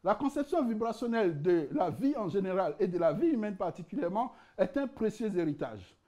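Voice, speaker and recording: A man giving a conference lecture, animated and joking, often repeating words as he searches for the right phrasing. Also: sits high, brisk. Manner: animated, jokes, laughs at own asides. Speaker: conference speaker presenting his book.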